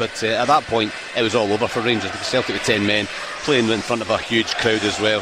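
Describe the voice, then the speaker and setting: Over noticeable background noise, a man with a Scottish accent speaks at a very fast pace. His intonation is monotone and flat, and the sound is dry with no echo. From Scotland. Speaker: football pundit. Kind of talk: sports radio commentary and analysis. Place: studio.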